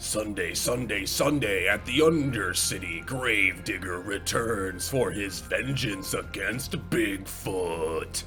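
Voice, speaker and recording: Over loud music in the background, a man puts on a character voice at a fairly low pitch and a fairly slow pace. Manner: loud, hyped-up announcing.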